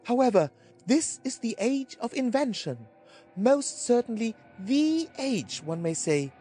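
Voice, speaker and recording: Woman playing a high-voiced, gushing society gossip. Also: sing-song, measured pace, mellow, soft background music. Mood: gossipy, distracted. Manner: gushing, exclamatory, affected. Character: chattering society gossips at cards and dances. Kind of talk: scripted comic period story acting.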